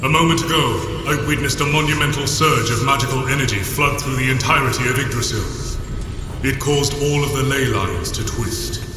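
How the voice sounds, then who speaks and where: An actor playing a grave, solemn male god watchman in an audio drama, proclaiming portentously through a magical reverb effect. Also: moderate pace. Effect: booming magical reverb. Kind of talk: scripted audio drama acting. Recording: heavily echoing, long reverb, noisy ambience.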